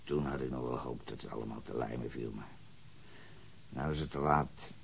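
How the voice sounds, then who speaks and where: An actor playing a coarse, hard-drinking sea captain who is under questioning, gruff and blunt in a radio drama. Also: male voice, rumbling low, normal speed, slight background noise. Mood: bitter. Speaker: suspect being questioned.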